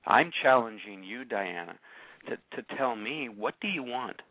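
A man's voice: mid-range voice, expressive, a little slow, no echo. A man hosting a call-in radio show. He coaches a caller with probing, challenging questions and often repeats words as he presses a point. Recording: narrow, phone-like radio sound.

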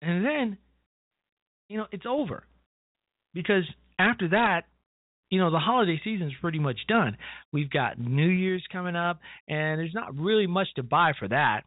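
A man's voice: high-pitched, expressive, moderate pace, no echo. A man in his fifties hosting an internet talk radio show, rambling casually and cutting himself off with "you know". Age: 50s. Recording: tinny phone-line audio, dry.

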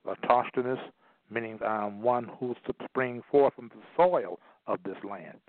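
A man's voice: medium pitch, a little slow, no echo. A man giving an emphatic lecture, partly reading aloud and repeating phrases for stress. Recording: tinny phone-like line, dry.

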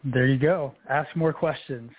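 A man hosting a radio interview, who sums up what his guest says and asks probing questions in a measured way. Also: mid-range voice, no room sound. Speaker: radio show host. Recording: dry phone-like narrow band.

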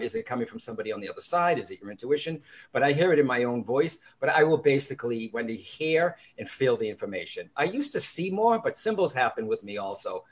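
Chatty Boston-accented man. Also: mid-range voice. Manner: chatty, animated storyteller with restarts. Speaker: psychic medium and author, guest. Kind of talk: casual interview chat.

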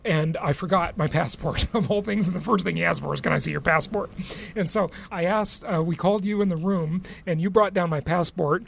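A man's voice: high voice, a little fast, gravelly, few pauses, slightly rough. A man hosting a podcast, telling a travel story in a chatty way, laughing often, then interviewing a guest. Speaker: podcast host. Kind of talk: casual monologue and interview. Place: aboard a cruise ship.

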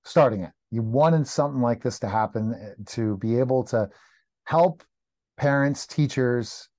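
A man's voice: mid-range voice, a little slow, darkish tone. A man hosting a talk show interview, asking encouraging, leading questions.

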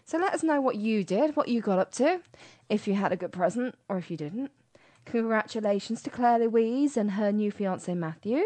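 A woman's voice: medium pitch, lively intonation, moderate pace, hardly any pauses, dark tone, no echo. A woman co-hosting a radio show, chatting casually in a giggly, slightly scatterbrained way. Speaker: radio co-host. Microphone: studio microphone.

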